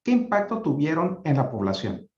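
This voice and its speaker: A man moderating an academic session, thanking the speaker and reading out audience questions in a measured, polite way. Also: fairly high pitch, sing-song, darkish tone, echoey room, highs cut off. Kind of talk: formal moderation.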